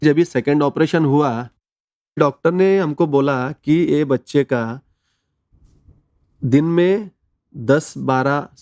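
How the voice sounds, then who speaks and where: A man's voice: fairly high pitch, slow pace, long pauses, a little mellow, no room sound. A man, telling a personal story as an interview guest in an earnest, conversational way. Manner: earnest storytelling, mixes in English words.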